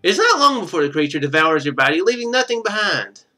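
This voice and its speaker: A man's voice: high-pitched, very animated, fast talker, bright, forceful tone, faint music behind. A man streaming a game, reading its text aloud and thinking through it in casual commentary. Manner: thinks aloud while playing.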